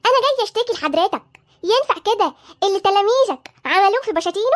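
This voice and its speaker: A woman voicing a nagging, sharp-tongued elderly grandmother who speaks with an Egyptian accent and a scolding, folksy manner in a cartoon. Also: extremely high pitch, expressive, rapid-fire, dry recording, studio quality. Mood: indignant. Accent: Egyptian Arabic.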